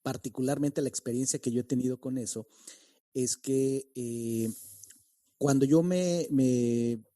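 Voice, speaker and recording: A man from Mexico City with a neutral Mexican accent, hosting a podcast interview and talking in a reflective, halting way with many restarts. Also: mid-range voice, warm tone, dry recording, studio quality. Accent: neutral Mexican Spanish. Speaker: podcast host.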